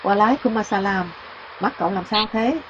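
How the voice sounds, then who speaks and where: A woman reading a humble older baker, gently puzzled. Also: mid-range voice, moderate pace, muffled recording, noisy background, lightly acted. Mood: wondering. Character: older male baker, humble, curious and wondering.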